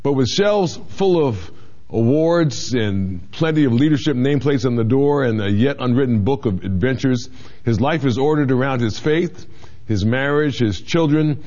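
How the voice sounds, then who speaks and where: A man hosting an interview show, introducing his guest and asking questions with enthusiastic quick interjections. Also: mid-range voice, dark tone, lo-fi sound.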